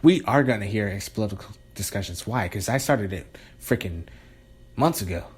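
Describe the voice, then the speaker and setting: A man's voice: lowish voice, expressive, a little fast, breathy edge. Rambling sarcastic man. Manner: rambling, sarcastic, self-interrupting with laughs. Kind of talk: casual monologue.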